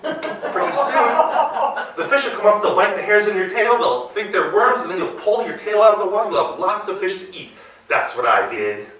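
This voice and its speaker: A crafty folktale fox, played by a male storyteller, coaxing and hedging as he talks. The voice is high and bright, ringing in a very echoey room. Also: big pitch swings, normal speed. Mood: sly, instructing. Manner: smooth-talking, hedging, persuasive. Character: sly, quick-thinking male fox trickster. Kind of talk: live folktale character voice. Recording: roomy live hall, distant mic.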